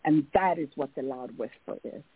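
A woman's voice: deep voice, normal speed, husky, no room sound. A woman from Tanzania, a life coach, speaking earnestly and emphatically as a radio interview guest. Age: adult, came to America at seventeen for college. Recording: phone-line audio.

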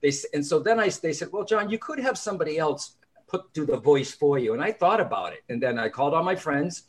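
A man's voice: fairly high pitch, fast talker. Chatty Boston-accented man. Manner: chatty, animated storyteller with restarts. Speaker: psychic medium and author, guest. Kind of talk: casual interview chat.

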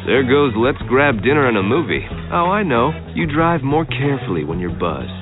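A man's voice: mid-range voice, very animated, moderate pace. A man reading a radio ad in a dry, sarcastic way. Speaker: ad narrator. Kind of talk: scripted radio ad. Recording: tinny line with music behind.

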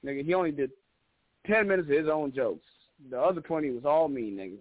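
Fast and on the high side, the guest's voice spills out rambling, profane stories in an animated way. He's a Chicago stand-up of about thirty in a casual interview, recorded dry and phone-narrow without echo.

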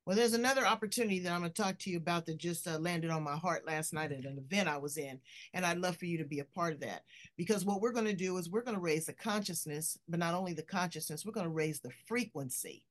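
A woman's voice: on the low side, fast. A woman hosting a talk show, effusive and playful, with an upbeat, rallying way of speaking. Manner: effusive, playful, preachy about purpose. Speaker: show host. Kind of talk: casual interview chat.

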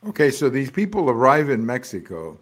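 A male political talk host who questions his guest with open disbelief. His voice is a little husky. His pitch rises and falls a lot as he talks. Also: brisk. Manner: animated, incredulous questioning.

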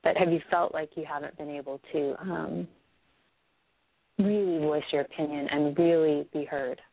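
Hoarse low-voiced woman psychic, phone-thin. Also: fairly even intonation, moderate pace, no echo. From United States. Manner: hesitant, many ums, then firm predictions. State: hoarse with a cold. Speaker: psychic reader. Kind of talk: live psychic reading with a caller. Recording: dry, phone-quality sound.

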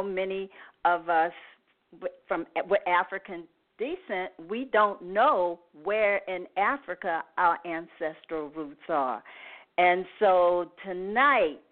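A woman hosts a live call-in show in a deliberate way. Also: on the low side. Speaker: show host. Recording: tinny phone-like line.

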